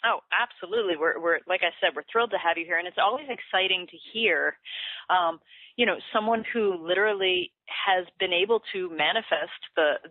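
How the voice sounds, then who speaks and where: A woman's voice: lowish voice, a little fast, no echo. A woman hosting a conversational call interview, feeling her way through her sentences. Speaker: interview host. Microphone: telephone. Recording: dry, tinny phone line.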